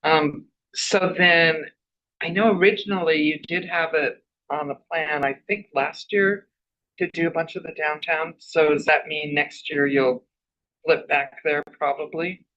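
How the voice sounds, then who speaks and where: Bright, higher-voiced man chairing a meeting. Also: steady tone, measured pace. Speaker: council member chairing the meeting. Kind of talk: informal meeting discussion. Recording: dull, band-limited meeting audio.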